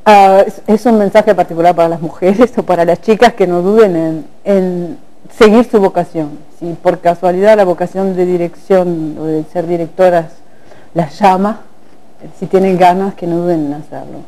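A middle-aged woman conductor, guest on a TV studio talk show, explaining in a calm, measured way. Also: on the low side, rough recording. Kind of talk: casual TV interview. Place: TV studio set at a table.

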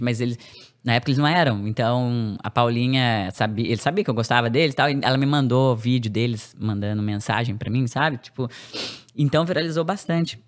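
A woman guest on a podcast, telling a personal story in casual, slangy speech and acting out the quoted lines with big jumps in pitch. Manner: animated, acts out quoted dialogue with sharp pitch jumps; casual slangy speech, many fillers and restarts.

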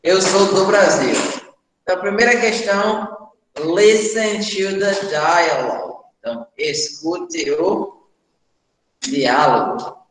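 A man's voice: high voice, takes it slowly, fairly bright tone, a little hiss or hum. A young man with a Brazilian Portuguese accent teaching an English class over a video call, patient, repeating sentences for students. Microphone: laptop video call. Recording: echoey room.

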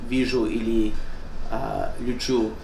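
A man in his thirties, a dental surgeon with an English-speaking Canadian accent, chatting in halting Russian and slipping into English, recorded in a small dental office. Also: mid-range voice, flat delivery, creaky, darkish tone, reverberant, slight background noise, low-quality recording. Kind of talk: casual interview.

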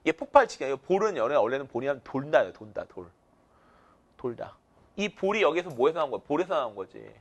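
A male English teacher giving an energetic vocabulary lecture, counting students in and drilling them with call-and-response cues. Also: medium pitch, fast talker, husky.

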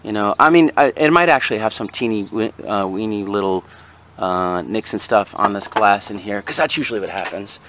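A man's voice: on the low side, brisk, fairly bright tone, a little hiss or hum. A man from New casually rambling through his garage sale finds in a vlog, full of fillers and self-deprecating asides, recorded on a handheld camera outdoors. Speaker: reseller vlogger. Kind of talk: casual show-and-tell. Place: outdoor patio, then in a car.

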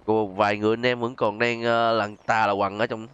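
A man's voice: lowish voice, level tone, a little fast, a bit bright, clean tone, muffled recording. A man with a southern Vietnamese accent hosts a gaming video, giving casual gameplay commentary to his viewers.

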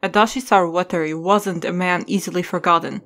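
A woman's voice: lowish voice, steady tone, fairly quick, a bit bright. A woman narrator reading scripted story narration for an audio drama.

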